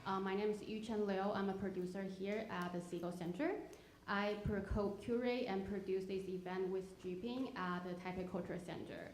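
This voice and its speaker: A woman's voice: mid-range voice, fairly even intonation, moderate pace, darkish tone. A woman from Taiwan talks an audience through a slideshow, explaining step by step with plenty of "uh" and "so". Her mid-range voice echoes around a roomy hall. Faint noise hums beneath. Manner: explanatory, with frequent "uh" and "so". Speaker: theater producer presenting a slideshow. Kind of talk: live presentation to an audience. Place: theater auditorium at a live event.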